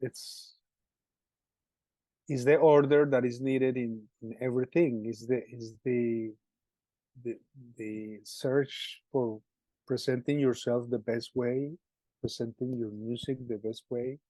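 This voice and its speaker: A middle-aged man from Colombia, speaking English with a Colombian Spanish accent as a musician being interviewed. He talks haltingly, repeating words and restarting often. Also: mid-range voice, steady tone, dark tone, no room sound, rough recording. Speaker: musician guest. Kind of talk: interview answers.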